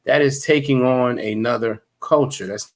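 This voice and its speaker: A man's voice: medium pitch, normal speed. A man teaching a livestreamed religious class, in a preachy, repetitive way with many fillers and restarts.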